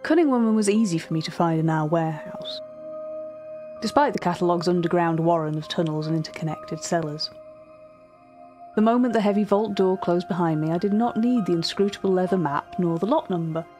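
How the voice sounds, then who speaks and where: Woman playing earnest catalogue curator, low female voice, measured, formal, scripted fiction podcast, background music. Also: warm tone, lightly acted. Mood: measured, intrigued. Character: cultured, earnest art catalogue curator, narrating eerie lots. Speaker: narrator.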